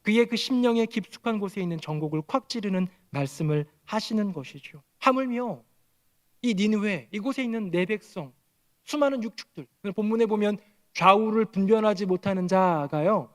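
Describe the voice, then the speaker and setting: A man, a senior pastor, preaching a sermon, telling the story vividly and acting out the quoted speakers. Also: moderate pace. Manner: animated storytelling, acting out quoted voices with raised pitch.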